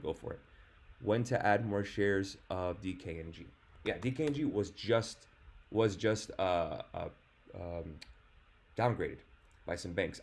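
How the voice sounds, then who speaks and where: A man hosting a casual market commentary stream, answering viewer questions in a relaxed, offhand way, his voice a bit hoarse from a sore throat. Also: lowish voice. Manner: relaxed, chatty and offhand, with fillers. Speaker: stock market show host. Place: hotel or temporary spot, away from home.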